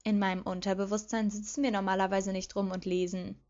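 A woman's voice: mid-range voice, flat delivery, a little fast, darkish tone, close to an everyday voice. A woman doing a teasing cocky teen boy wizard. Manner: playful, coaxing and mocking. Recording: slightly dull lo-fi recording.

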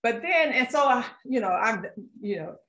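A woman's voice: fairly high pitch, animated, normal speed, a bit bright, roomy sound, rough recording. A woman art collector from Philadelphia, talking casually as a guest at an author talk, with many fillers and restarts. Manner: chatty, many fillers and restarts, laughs often.

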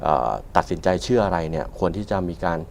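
Male studio guest, very low pitch, hesitant delivery, noticeable background noise. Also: gravelly. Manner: hesitant, very frequent filled pauses. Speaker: panel guest. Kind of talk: explanatory panel talk. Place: television studio.

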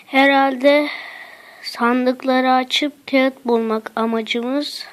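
Woman, gaming commentary, high voice, unhurried delivery, exclamations and mutters, slangy. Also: steady tone, smooth. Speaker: gaming channel host. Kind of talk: let's play commentary.

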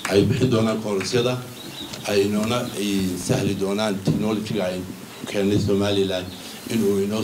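Man giving a ceremony speech. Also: fairly low pitch. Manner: lists technical terms steadily. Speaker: school head giving opening speech. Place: outdoor ribbon-cutting stage. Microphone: handheld mic, podium mics. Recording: noisy outdoor event recording.

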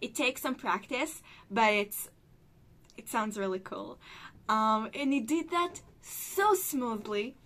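A woman's voice: fairly high pitch, takes it slowly, a bit bright. A woman reacting to a song and explaining vocal technique like a voice teacher, with lots of filler words. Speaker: music reaction reviewer. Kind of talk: casual reaction commentary. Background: song playing faintly.

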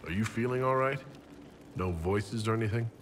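A man acting a composed, inquiring leader in a fantasy video game, calm and direct. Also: fairly low pitch, normal speed, a little hiss or hum, close to an everyday voice. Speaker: game protagonist.

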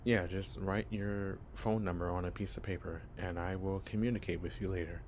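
A man's voice: low voice, steady tone, normal speed, darkish tone, a little hiss or hum, natural voice. A young man voicing a shy, clueless male vampire in an ASMR roleplay, stammering nervously as he pretends to be human. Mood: flustered, awkward. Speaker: voice actor.

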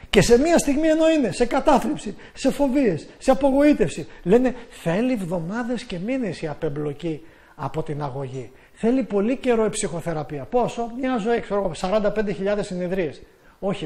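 A man preaches a sermon. His voice sits high for a man. He talks with great emphasis, often climbing to loud, fervent exclamations. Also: big pitch swings.

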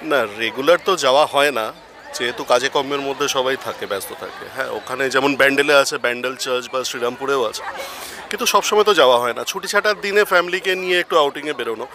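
Quick-talking Bengali man outdoors. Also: mid-range voice. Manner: quick, relaxed, mixes in English phrases. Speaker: interviewee, visiting father. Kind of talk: casual street interview answer. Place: crowded churchyard lawn outdoors. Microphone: reporter's handheld mic. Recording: clear crowd noise outdoors.

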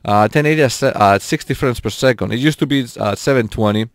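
A man's voice: medium pitch, quick pace, dry recording, clean studio sound. A man live streaming a racing game, chatting casually with his viewers and laughing often. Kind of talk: casual live-stream chat while gaming.

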